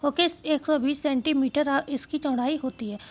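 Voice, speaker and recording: A woman teacher going through exam questions, speaking slowly and repeating key phrases so students can write them down. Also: sits high, steady tone, muffled recording. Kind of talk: exam-prep lesson.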